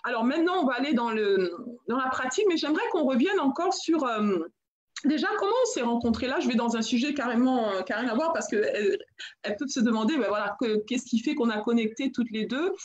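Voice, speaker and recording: A French woman hosting a live chat show, talking in a lively, encouraging way and mixing in English phrases. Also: fairly high pitch, fast, lo-fi sound. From France. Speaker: host.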